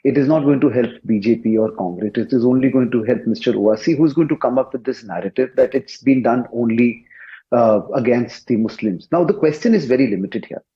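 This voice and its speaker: A man speaking as a panelist in a televised debate, insistent and forceful, with a loud voice. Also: medium pitch, a little fast, dull audio.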